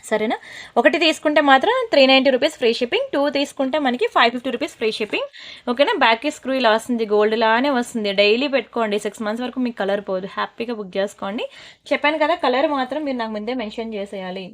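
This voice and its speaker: A woman selling jewellery in a brisk, persuasive sales pitch, slipping into scolding asides. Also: expressive. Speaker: jewellery seller.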